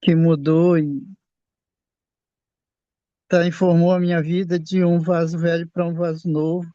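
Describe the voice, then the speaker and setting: A man in his sixties from Brazil, telling his own faith testimony in a halting way, often repeating and restarting his words. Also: a little high, little pitch movement, mellow, no echo. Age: 60s. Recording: dull lo-fi sound.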